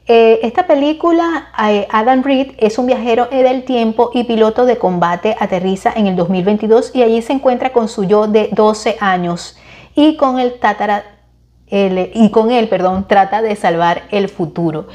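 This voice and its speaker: Woman chatting about a movie, lots of ums and restarts, thinking out loud. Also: on the high side, normal speed, highs cut off. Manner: hesitant, many fillers and restarts. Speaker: film reviewer. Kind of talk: casual film review.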